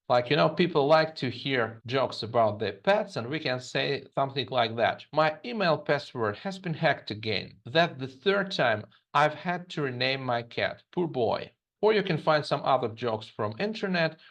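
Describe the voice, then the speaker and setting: A man from Germany, an English teacher, narrating a scripted lesson and reading example phrases slowly and twice. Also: mid-range voice, lively intonation, fairly bright tone. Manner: reads example phrases slowly and repeats them.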